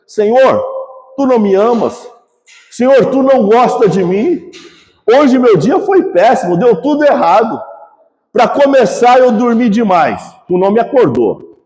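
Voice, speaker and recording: Casting: a pastor playing a self-pitying complainer, high voice, long echoey church reverb. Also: male voice, sing-song, unhurried, darkish tone, full character voice. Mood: whining. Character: whining grown man complaining to God.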